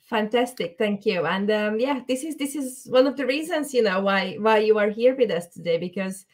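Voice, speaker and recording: A woman's voice: medium pitch, expressive, normal speed. A woman hosting an online webinar, courteous and a little hesitant, repeating words as she introduces things. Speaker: host. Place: indoor room, video call.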